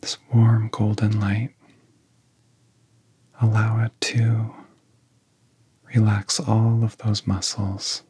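Very breathy, hushed man, slow and low. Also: monotone, no room sound. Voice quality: soft, breathy, often whispery. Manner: gentle, soothing, long pauses between phrases. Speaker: ASMR hypnosis guide. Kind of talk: soft-spoken ASMR guided relaxation.

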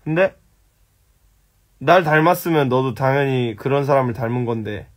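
A man's voice: mid-range voice, expressive, moderate pace. A young man hosting a casual live stream, answering viewer questions bluntly, teasing and swearing at them. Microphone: phone.

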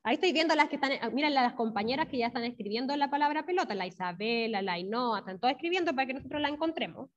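High-voiced and animated, this Chilean woman teaches young children online as a primary school teacher, drawing words out slowly syllable by syllable and warmly praising each pupil by name. Her video-call microphone gives dull, lo-fi audio.

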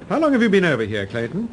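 An actor playing an urbane, observant gentleman detective in a radio drama. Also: high voice. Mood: inquiring, genial. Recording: loud train noise behind.

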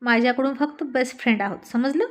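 A woman's voice: sits high, fast talker, close to an everyday voice. A woman voicing a curt, irritable young husband. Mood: scolding. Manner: curt, scolding.

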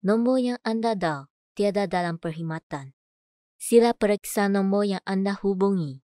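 A woman voice-over artist reads prepared copy in a medium-pitched voice. Her delivery is measured and clearly enunciated, and the recording is close and dry. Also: warm tone, no echo. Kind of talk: scripted voice-over demo: adverts, narration, announcements.

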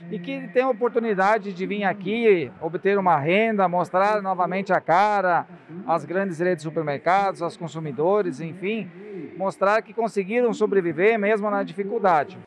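A middle-aged man giving an earnest interview answer into a handheld mic, with hesitant pauses. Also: sits high. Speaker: farmers' association representative.

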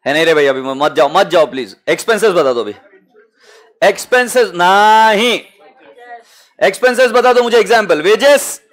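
A man's voice: sits high, expressive, quick pace, few pauses. A man with an Indian accent teaching accounting to a live class, mixing Hindi and English and calling students "beta" fondly.

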